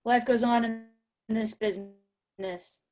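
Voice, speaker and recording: A woman's voice: fairly high pitch, fairly even intonation, slow pace, darkish tone. A woman playing a sleazy, bossy male burger-joint boss in a film script table read, talking bluntly. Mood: lecturing. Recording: online video call table read.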